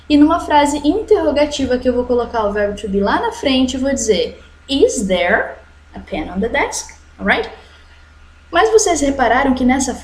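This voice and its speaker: A woman teacher with a Brazilian accent giving an online English lesson to children, switching between explanation and slowly drawn-out model sentences. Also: a little high, a little hiss or hum. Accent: Brazilian Portuguese. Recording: echoey room.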